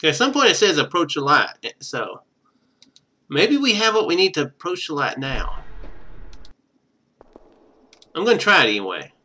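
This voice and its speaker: A man doing casual game stream commentary, thinking out loud and reading text from the screen. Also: on the high side, very animated, moderate pace. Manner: thinks out loud, muttering to himself.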